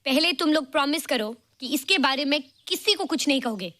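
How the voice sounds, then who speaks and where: An actress playing a calm, thoughtful young woman who explains things patiently in a film scene. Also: high voice, a little fast. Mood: explaining. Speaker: friend. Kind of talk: Bollywood film acting. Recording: film soundtrack with loud music. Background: film score music.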